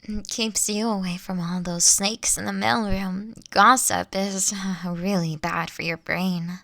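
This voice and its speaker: A woman acts out a caring, doting female boss in an intimate audio roleplay. She speaks slowly and affectionately, coaxing and teasing, with a creaky edge to her voice. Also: mid-range voice, fairly even intonation, sharp tone, dry recording. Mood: tender, coaxing.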